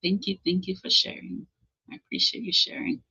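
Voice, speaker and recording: A woman's voice: fairly low pitch, flat delivery, brisk, bright, forceful tone, slightly rough, lo-fi sound. A woman hosting a motivational livestream, encouraging her viewers, often checking in with "okay?" and reading out their comments. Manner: reads out and answers viewer comments. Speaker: livestream host.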